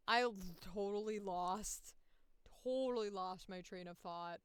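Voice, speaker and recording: A woman's voice: medium pitch, a little slow, clean tone. A woman chatting casually on a livestream as she works, thinking aloud in a rambling, sweary, self-deprecating way. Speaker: streamer and voice actor editing audio. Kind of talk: casual livestream chat with bursts of singing.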